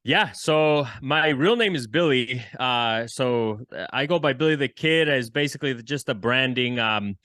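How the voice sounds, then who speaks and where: A man from El Salvador, a musician and entrepreneur, telling his story in a relaxed, friendly way as a podcast guest. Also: mid-range voice, a little slow, few pauses, no echo, clean studio sound. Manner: relaxed, friendly, with frequent fillers. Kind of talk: casual interview storytelling.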